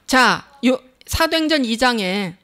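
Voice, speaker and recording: Woman preacher, conversational sermon delivery, punchy repeated questions, voice on the higher side. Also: lively intonation, unhurried, bright, forceful tone. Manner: emphatic, repeating rhetorical questions; plain spoken, conversational preaching. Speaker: pastor.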